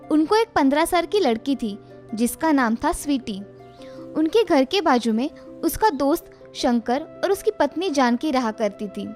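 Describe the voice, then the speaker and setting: A woman narrating a moral cartoon story in a plain, steady storybook manner. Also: high-pitched.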